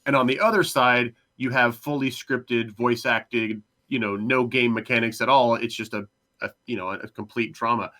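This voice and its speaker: A man with a bright, forward voice of middling pitch talks casually as a podcast panelist. He circles his point, hedging and repeating words as he goes. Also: steady tone, normal speed. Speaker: panelist on a podcast discussion show.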